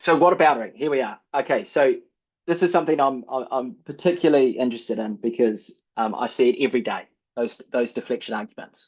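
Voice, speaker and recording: At a fairly quick pace, a man speaks with lively intonation at a medium pitch. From New Zealand. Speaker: climate communicator. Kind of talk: webinar presentation. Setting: video call webinar. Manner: hesitant, many fillers.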